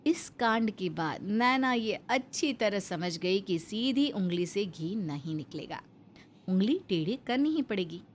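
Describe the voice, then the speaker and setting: A woman narrating a cartoon story in a calm, scripted storytelling manner. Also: mid-range voice, measured pace, a little hiss or hum.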